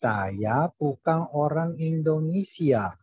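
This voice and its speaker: A man recites language-drill sentences extremely slowly and carefully, as a student would. His voice is husky, and it comes through an online call with a dull, muffled sound. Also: fairly high pitch, animated, a little mellow, no echo.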